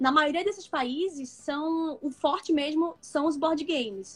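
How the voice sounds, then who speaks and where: Fairly slow female speech with ordinary pitch variation. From Manaus, Amazonas, northern Brazil. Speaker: comics editor and YouTuber. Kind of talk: interview.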